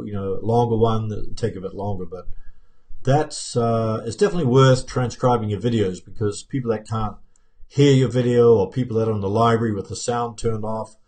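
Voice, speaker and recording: Man with a mellow New Zealand accent. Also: lowish voice. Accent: New Zealand, softened by years in America. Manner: rambling, many fillers and restarts, reads out viewer comments. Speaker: YouTube channel host answering live chat. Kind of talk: live-stream Q&A, casual. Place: home office room with plants and pictures, indoors. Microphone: webcam framing at desk.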